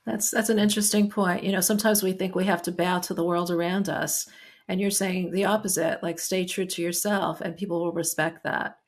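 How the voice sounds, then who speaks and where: Woman host in an interview, thoughtful, sums things up, fairly low voice. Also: fairly even intonation, brisk. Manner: thoughtful, summarizing what the guest said. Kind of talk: conversational interview.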